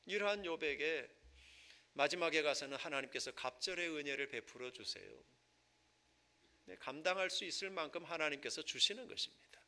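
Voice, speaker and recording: A male pastor preaching a Sunday sermon in church, rising to loud impassioned stretches and falling to soft, hushed passages. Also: a little high, expressive, normal speed. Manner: swells to loud impassioned preaching, then drops to soft near-whispers. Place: church sanctuary.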